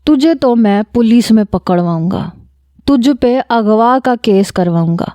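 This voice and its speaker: A woman's voice: on the high side, expressive, dark tone, no echo, clean studio sound, close to an everyday voice. A woman voicing an angry young man who threatens the family. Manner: furious, threatening.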